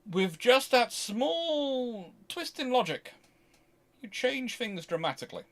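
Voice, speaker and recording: A man hosts a casual, unscripted question-and-answer commentary, thinking aloud haltingly and growing emphatic as he explains. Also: extremely high pitch, sing-song, a little hiss or hum. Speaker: history channel host answering viewer questions.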